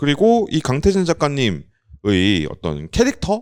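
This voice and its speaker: Recorded dry and close with no echo on a very clean track against a silent background, a man with a medium-pitched voice makes very wide pitch swings. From southern Gyeonggi, Korea (Suwon). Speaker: webtoon review podcast host. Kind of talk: casual panel discussion.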